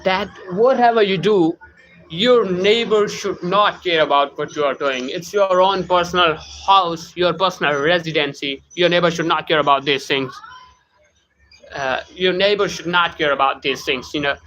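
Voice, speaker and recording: A man with a South Asian English accent, hosting a casual live stream, halting with many fillers while he greets viewers by name. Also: fairly high pitch, a bit bright, slight background noise, poor audio. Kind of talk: casual live-stream talk, reading chat. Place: home room.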